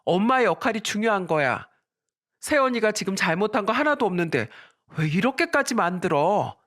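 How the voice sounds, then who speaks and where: A man's voice: high-pitched, big pitch swings, moderate pace, fairly bright tone, exaggerated voice. A man voicing an exasperated grown daughter. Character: frustrated grown daughter scolding her mother.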